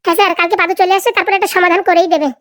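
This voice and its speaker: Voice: very high-pitched, flat delivery, racing, fairly bright tone, dry recording, studio quality. A performer voicing a cheeky, eager young sidekick in a comedy cartoon, chattering in a colloquial way. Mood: reassuring. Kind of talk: comic cartoon dialogue.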